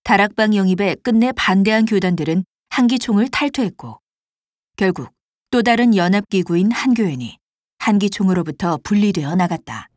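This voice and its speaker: A woman reading scripted documentary narration in a formal, measured manner. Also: medium pitch, lively intonation, dry recording, studio quality, close to an everyday voice.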